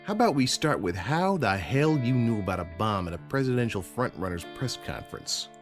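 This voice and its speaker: A man's voice: medium pitch, big pitch swings, brisk, music in the background, lightly acted. A man playing a tough, sarcastic, impatient police interrogator in an audio drama. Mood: sceptical, impatient. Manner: gruff, sarcastic.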